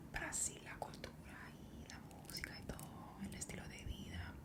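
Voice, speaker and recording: Noticeable background noise fills the clip. Under it, a woman whispers. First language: Russian. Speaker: ASMR creator. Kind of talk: ASMR whispered rambling. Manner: whispered.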